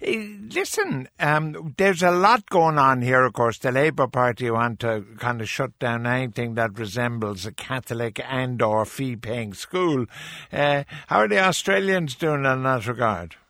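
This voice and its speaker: A man from Cork with an Irish accent, hosting a radio phone-in and reading out listener messages with brisk retorts. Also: medium pitch, expressive, sharp tone, dry recording, clean studio sound. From Cork, Ireland. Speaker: radio talk show host. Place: radio studio. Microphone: studio microphone.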